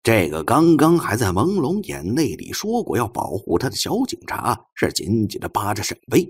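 A man narrating an audiobook as an animated, theatrical dramatic storyteller. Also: lowish voice, normal speed, husky. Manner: expressive, theatrical delivery.

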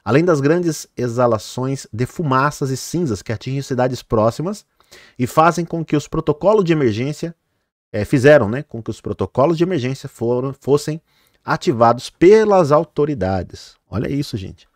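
A man vlogs casual commentary over news images, chatting loosely with many fillers like "né" and "olha, gente" and speaking directly to his viewers. He occasionally trips over hard names and corrects himself. His medium-pitched voice is lively at a moderate pace, recorded close and dry with no echo.

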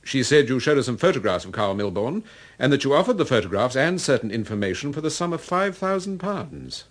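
An actor playing a composed gentleman detective in a radio drama, polite, measured and probing. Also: mid-range voice, big pitch swings. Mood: probing, cool.

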